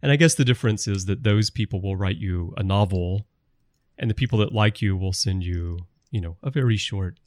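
Dry-voiced podcast host, fairly low. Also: male voice, a little fast, darkish tone, dry recording. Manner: rambling, asks long questions. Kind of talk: casual podcast chat.

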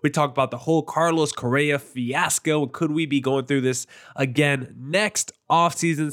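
A young man with a stuffy, nasal voice from allergies, hosting a casual sports podcast, moving briskly from plugs to game stats. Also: medium pitch, fairly bright tone, no echo, clean studio sound. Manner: brisk, self-promoting, stat-heavy. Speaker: podcast host.

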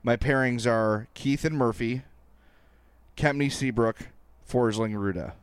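A man's voice: medium pitch, measured pace, clean tone. A man co-hosting a casual sports podcast, talking in a wry, joking manner. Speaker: podcast co-host.

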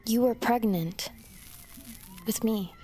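Woman voicing a worried daughter, kinda high, slow and soft, mellow. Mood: tender.

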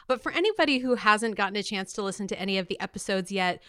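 A woman's voice: medium pitch, lively intonation, quick pace, a bit bright, dry recording, studio quality. A woman hosting a podcast, asking interview questions in a conversational style.

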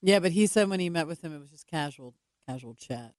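A woman's voice: lowish voice, lively intonation, a little fast, darkish tone. A woman from the Philadelphia area with a blended Philadelphia and New York accent, joking wryly in casual chat on a talk show. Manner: wry, joking. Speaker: regular co-host.

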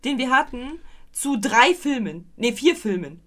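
A woman's voice: on the high side, big pitch swings, unhurried, fairly bright tone. A young woman co-hosting a podcast, chatting casually about films, rambling with many restarts and playful teasing. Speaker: podcast co-host. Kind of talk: casual film review chat.

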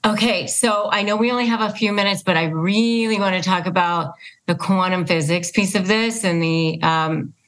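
A woman's voice: lowish voice, moderate pace, a bit bright, poor audio. A woman hosting a casual conversational interview, speaking emphatically and repeating her points for stress. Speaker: podcast host and interviewer.

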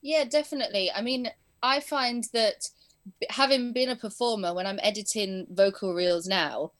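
A young female guest with an English accent discusses her performing arts teaching and editing in a relaxed interview chat. Mid-range and a bit bright, her voice moves at a moderate pace, broken by fillers and easy laughs. She comes from England originally and was raised in southern Spain.

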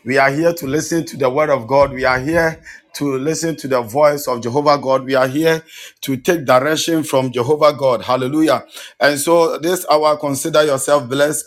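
A man's voice: mid-range voice, a bit bright. A man introducing a guest preacher, fervent and exclaiming hallelujah often. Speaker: host pastor. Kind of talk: sermon introduction.

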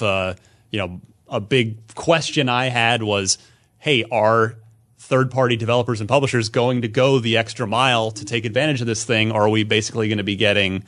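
A man hosting a casual video game news discussion, often repeating words as he thinks out loud. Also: lowish voice. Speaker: podcast host.

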